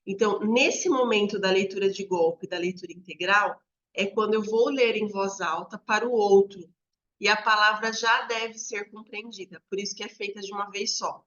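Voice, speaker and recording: A woman educator walks listeners through how children learn to read, pausing often to check that they follow. Her voice is bright and forceful. The recording sounds a little dull and lo-fi. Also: medium pitch, steady tone. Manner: explains step by step, frequent "né?" checks with listeners. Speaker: literacy educator. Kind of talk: explanatory teaching talk.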